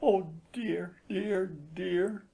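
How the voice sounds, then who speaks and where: A man's voice: sits high, steady tone, drawn-out words, gravelly, mellow, breathy edge, voice pushed up, exaggerated voice. A man voicing a tearful young bride who stammers and sobs as she confesses. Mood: tearful, distraught. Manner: stammering, sobbing.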